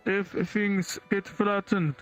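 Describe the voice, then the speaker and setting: A man playing his roleplay character, speaking in a measured, formal and earnest way. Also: sits high, fairly even intonation, soft background music. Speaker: roleplay player.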